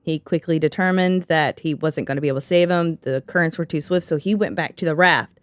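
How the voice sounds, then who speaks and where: A woman's voice: sits low, brisk, no room sound. Sarcastic woman host with a dry sound. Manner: sarcastic, laughs often, swears freely. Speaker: podcast host. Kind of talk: casual chat.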